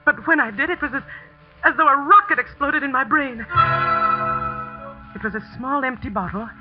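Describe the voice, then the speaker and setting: An actress playing a determined schoolteacher who narrates tensely and earnestly, in a muffled 1940s radio broadcast. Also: female voice, sits high, normal speed, over loud music, natural voice.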